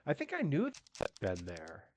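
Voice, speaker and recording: A man's voice: fairly low pitch, wildly swooping pitch, normal speed, slight background noise. A man streaming a video game, chatting casually and rambling, congested from allergies so he sounds like he has a cold. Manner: rambling, with many restarts and fillers. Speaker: gaming streamer. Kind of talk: casual live-stream chat.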